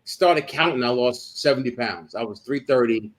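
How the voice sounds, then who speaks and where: A man's voice: medium pitch, normal speed. A man in his late forties speaking casually and emphatically about wrestling. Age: 40s. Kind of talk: casual conversation.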